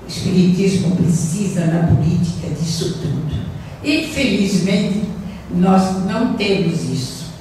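An older woman giving an earnest spiritist lecture at a stand mic, reading from notes and speaking with deliberate emphasis in a small hall. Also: mid-range voice, lively intonation, dark tone, slight background noise. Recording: roomy hall echo from a distant camera.

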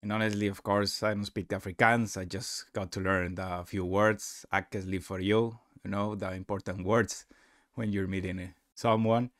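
Low-voiced man explaining software. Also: level tone, no room sound, studio quality. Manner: halting, explanatory. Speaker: software demonstrator. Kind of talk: unscripted screen-recording tutorial narration.

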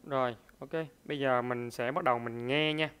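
A man teaching a pronunciation lesson in a smooth, resonant voice at a middle pitch. He hesitates, fills pauses with small sounds, and says each example word over and over to model it. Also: fairly even intonation, a bit bright. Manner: hesitant, many fillers, repeats words slowly to demonstrate.

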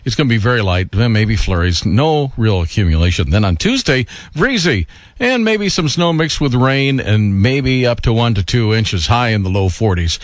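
A man's voice: mid-range voice, lively intonation, normal speed, no echo, studio quality. An American man working as a radio DJ, with upbeat, jokey, conversational patter between songs. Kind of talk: upbeat adult contemporary radio patter with weather reads. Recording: radio broadcast over music beds. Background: music.

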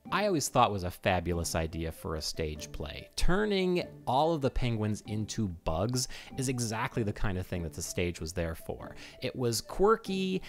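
A man in his thirties talking casually to camera in an animated way, explaining as a video host, close to a microphone in a small home room. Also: mid-range voice. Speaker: video host and game music composer. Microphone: microphone on a stand close in front.

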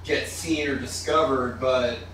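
A man of middle pitch sounding far off from the mic in a very echoey room, with a light hiss behind him. He talks casually but holds firm opinions and explains them at length. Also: fairly even intonation, a little slow, fairly bright tone. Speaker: podcast co-guest, improv comic. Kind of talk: casual chat.

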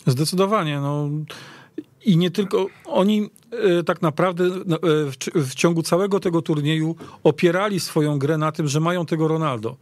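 A man talking casually about football as a studio guest, in a halting, conversational way. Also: on the high side, dry recording. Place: radio studio.

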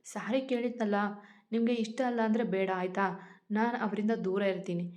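A woman voicing a gentle, caring young wife who speaks softly and affectionately. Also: mid-range voice, fairly even intonation, moderate pace, close to an everyday voice. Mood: soothing. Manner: soft, affectionate, apologetic.

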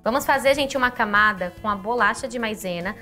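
Woman, 30s, from Brazil, kitchen show host, raised pitch, chatty and warm, faint music bed. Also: a little fast. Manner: chatty, affectionate, calls viewers "my loves". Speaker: cooking channel host. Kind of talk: upbeat recipe tutorial. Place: home kitchen, indoors.

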